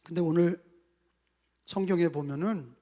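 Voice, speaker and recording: A man's voice: fairly high pitch, measured pace, warm tone, in a large hall. A man preaching a sermon as pastor, impassioned, leading the congregation in repeating phrases after him. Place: church sanctuary.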